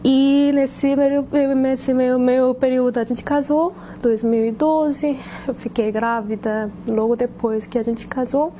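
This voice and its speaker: A woman from South Korea with a Korean accent, a Korean native speaker, giving a halting personal testimony, muffled with faint noise. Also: high-pitched, steady tone. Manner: halting, searches for words.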